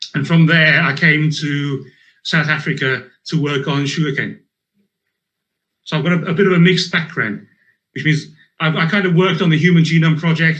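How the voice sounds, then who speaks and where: Speaking with a Welsh accent, a man has a fairly high pitch and a bright, sharp tone. He keeps fairly even intonation and a moderate pace, with long, frequent pauses. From rural Wales. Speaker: scientist. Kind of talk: interview.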